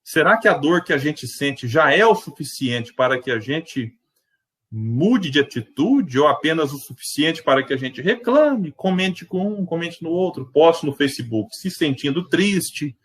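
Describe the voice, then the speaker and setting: A man's voice: a little high, unhurried. A man giving a spiritist lecture online, telling anecdotes in a conversational, reflective way and voicing the characters in his stories. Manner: animated, tells anecdotes and voices the characters in quotes. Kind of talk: virtual religious lecture with storytelling.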